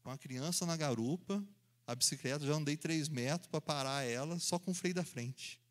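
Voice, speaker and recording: A preacher tells his story animatedly, acting out the voices and sound effects himself. His voice sits fairly high for a man. He often laughs along as he talks. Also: moderate pace. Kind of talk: storytelling sermon.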